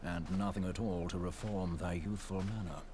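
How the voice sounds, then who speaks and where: A man's voice: deep voice, steady tone, normal speed, darkish tone, slight background noise, close to an everyday voice. An actor playing a dignified, long-suffering man in a video game, speaking in formal, archaic courtly language. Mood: dry reproach. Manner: formal, stately, archaic diction.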